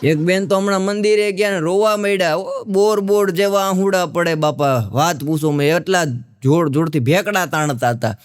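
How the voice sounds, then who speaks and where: A man's voice: sits high, normal speed, smooth, dry recording. A man with a Gujarati accent doing stand-up comedy for a live audience, telling jokes in a folksy storytelling manner and voicing the characters. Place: stage before a live audience.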